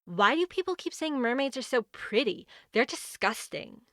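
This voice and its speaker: Bright, exasperated fairy godmother, played by a woman. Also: high voice, sing-song, normal speed, heavily acted. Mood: exasperated, disgusted. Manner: blunt, indignant, dramatic. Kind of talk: fantasy comedy audio drama.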